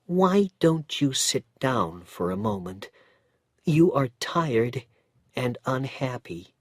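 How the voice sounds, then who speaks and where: A man voicing a gentle, kind young mother in a storybook reading, soft and soothing. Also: mid-range voice, sing-song, slow, no room sound, studio quality, voice pushed up.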